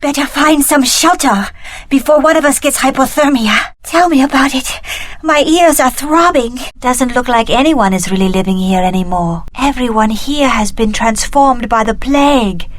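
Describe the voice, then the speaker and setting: A woman playing a young female adventurer in a video game, an observant, wry companion with an expressive delivery. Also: sits high, moderate pace, no echo, lightly acted. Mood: miserable, cold. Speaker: video game character actor.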